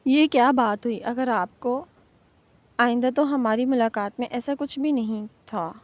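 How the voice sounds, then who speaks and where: Woman voicing a young bride, pouting, playful, spirited, high voice, dull muffled sound. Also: no room sound, natural voice. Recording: muffled lo-fi recording.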